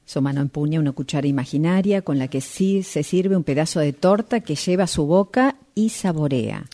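A woman narrates an amateur radio play from a script. Her voice sits low for a woman, and her pitch moves around in an animated way. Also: brisk.

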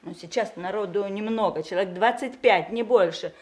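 An actress playing a bitter, mocking grown daughter in a Russian radio play, with a sarcastic, theatrical delivery. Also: female voice, medium pitch, normal speed, lightly acted. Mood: dry sarcasm.

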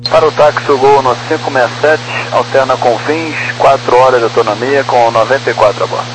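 A man's voice: medium pitch, fairly even intonation, brisk. A man, an airline pilot, reading back instructions in clipped procedural radio phraseology over a cockpit headset radio. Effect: pilot speaking over cockpit headset radio. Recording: noisy air-band radio transmission.

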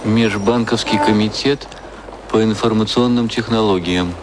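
A male actor in a radio drama playing a hungover, cynical advertising copywriter, terse and deadpan. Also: fairly low pitch, normal speed, background noise, lightly acted. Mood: wary.

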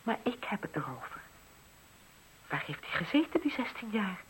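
A very husky, breathy mother's voice in a Dutch radio play. She is proud but wounded and anxious, pleading dramatically with a widely moving pitch. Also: big pitch swings, moderate pace, rough recording. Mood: bitter, proud.

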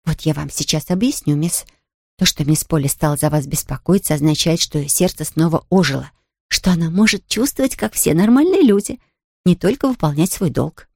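A woman's voice: low-pitched, expressive, a little fast, vocal fry, darkish tone, no echo, clean studio sound, heavily acted. A woman doing a blunt, fussy housemaid. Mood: scolding. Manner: blunt and scolding, then fervent. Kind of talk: audiobook character reading.

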